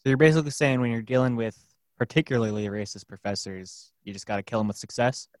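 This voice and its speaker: A man's voice: medium pitch, steady tone, quick pace, a little mellow, no echo. A young man interviewing his guest in a casual, reflective way, thinking aloud with fillers.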